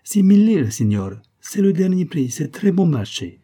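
A man's voice: sits high, sing-song, moderate pace, warm tone, pitched above the performer's own voice. A man voicing a courteous, insistent Italian jeweller, with an Italian accent and emphatic sales patter. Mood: insistent selling.

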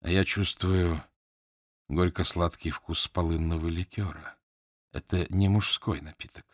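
A male reader voicing a wounded captive English lord, speaking hoarsely, slowly and wearily in a low voice. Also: fairly even intonation, no echo, studio quality. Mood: drowsy.

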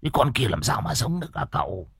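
A man voicing Muôn Phọt, a jittery older male assistant who talks hushed, low and gossipy. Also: sing-song, fast, creaky, husky, no echo, studio quality, exaggerated voice. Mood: worried.

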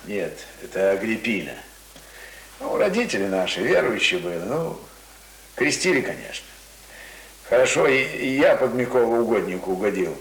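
A man's voice: lowish voice, very animated, normal speed, fairly bright tone, rough recording. A man acting a talkative, coaxing village brother in a naturalistic radio play, speaking colloquially and hesitantly. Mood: reassuring, sociable. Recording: hissy old radio recording.

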